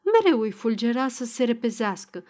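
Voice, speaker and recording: A woman narrating a novel as an audiobook reader, in a measured, expressive reading. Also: fairly high pitch.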